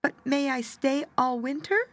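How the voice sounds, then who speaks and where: A woman's voice: high-pitched, animated, unhurried, dry recording, pitched above the performer's own voice. A woman voicing a small injured male bird who pleads for shelter in a storybook reading. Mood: pleading.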